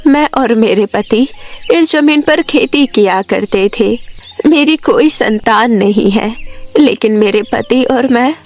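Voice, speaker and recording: A woman voicing a lonely, frail old village woman, plaintive, in an animated story. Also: on the high side, slow pace. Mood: sorrowful.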